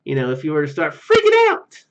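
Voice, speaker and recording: Casting: male gaming host, fairly high voice, reads story text with casual asides, slightly dull recording. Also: huge pitch swings, fairly quick, a little hiss or hum. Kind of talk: reading game narration aloud with casual commentary.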